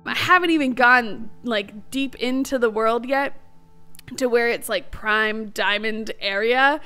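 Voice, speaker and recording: A woman's voice: on the high side, a little slow, bright, forceful tone, smooth, faint music behind. A woman giving casual let's-play commentary as the host of a gaming series, chatty, bubbly and enthusiastic.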